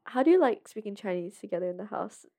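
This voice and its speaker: Young woman podcast host, mid-pitched, giggly and informal, speaking in halting casual chat. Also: animated, warm tone. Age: young adult.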